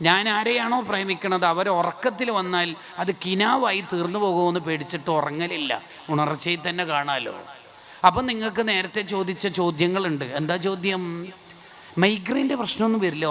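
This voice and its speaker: A man preaching an Islamic sermon with a Kerala accent, swinging between soft low asides and high pleading cries. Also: normal speed. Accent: Malayali, Kerala. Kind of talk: Islamic sermon with dramatic recitation.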